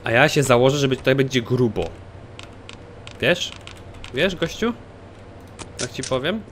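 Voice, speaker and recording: A man giving excitable let's play commentary, swearing often as he plays. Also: mid-range voice, measured pace, slight background noise. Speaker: gaming commentator.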